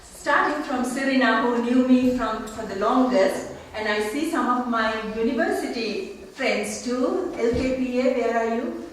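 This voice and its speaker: A woman in her sixties with a fairly high voice gives a halting, informal speech of thanks. It is recorded from a distance in a hall with very heavy echo. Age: 60s. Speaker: author thanking guests at her book launch. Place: large roomy indoor gathering, mic at a distance. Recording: echoey hall, distant mic, faint noise.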